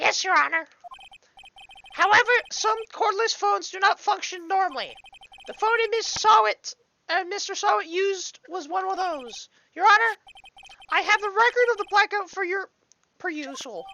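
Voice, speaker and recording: At an extremely high pitch, a woman uses a put-on character voice at a moderate pace with ordinary pitch variation and long, frequent pauses. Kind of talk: mock courtroom speech. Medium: actual play.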